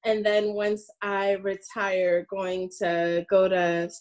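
A woman's voice: medium pitch, monotone, slow, darkish tone. A woman in her late thirties who grew up in Brooklyn and whose first language is French. She is a guest in a casual interview, answering with hesitant fillers and frequent laughs. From Brooklyn, USA. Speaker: Air Force sergeant, interview guest.

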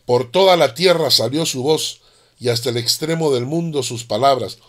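A middle-aged male pastor preaching a sermon in an animated, emphatic way, full of rhetorical questions. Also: medium pitch, normal speed.

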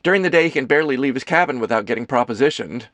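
A man's voice: medium pitch, animated, rapid-fire, fairly bright tone, no echo, close to an everyday voice. A man voicing a dramatic, bossy, flirtatious actress with a theatrical, exclaiming delivery in an audiobook. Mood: teasing, bossy. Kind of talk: audiobook character dialogue.

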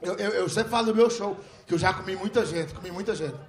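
A middle-aged man telling a profane stand-up comedy story on a live stage, laughing through his lines and shouting when he acts out the people in it. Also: sits high, quick pace. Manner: loud, laughing, animated, profane, slips into shouted voices for characters.

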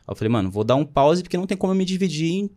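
With a fairly high, sing-song voice and a dark tone, a young man in his twenties speaks very fast. In casual, slang-filled conversation he tells his life story, often relaying what others told him.

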